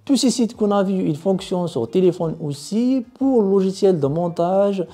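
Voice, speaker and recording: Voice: medium pitch, expressive, moderate pace, mellow. A tutorial presenter explaining tech steps in an instructional voice-over.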